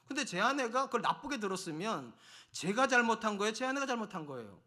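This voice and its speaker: Animated, bright-voiced male pastor preaching. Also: high voice, fast talker. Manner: animated, acts out quarrels with his wife. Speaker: senior pastor. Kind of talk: sermon. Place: church sanctuary.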